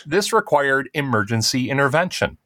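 A man's voice: medium pitch, big pitch swings, moderate pace, a bit bright. A man rambles through an embarrassing story with self-mocking humor, the way a casual comedy podcast co-host would. The sound is dry and close, with no room echo at all.

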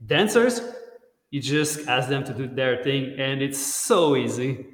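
A man's voice: mid-range voice, expressive, measured pace, a bit bright. A man from Montreal with a strong Québécois French accent, a native French speaker, talking casually as a podcast guest. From Montreal, Canada. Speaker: guest photographer. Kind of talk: podcast interview. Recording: echoey room with long reverb.

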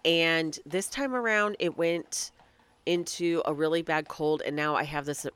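Low-voiced woman podcast host, slightly nasal. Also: a little slow, a bit bright, smooth, dry recording. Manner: chatty, reads lists of dates aloud. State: recovering from a cold, slightly nasal and crackly. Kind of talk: casual solo podcast talk.

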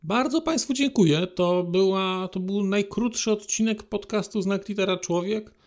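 Guy doing a solo podcast, kinda high voice, really slow and halting, polite formal address. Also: darkish tone. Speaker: podcast host. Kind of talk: spoken podcast monologue addressed to listeners.

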